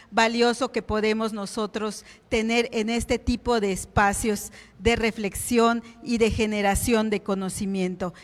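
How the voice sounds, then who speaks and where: Fairly high female voice with a Yucatecan accent at a fairly slow pace, very clean recording with a silent background. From Mexico, Mérida, Yucatán. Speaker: academic speaker on technology and education. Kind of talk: lecture.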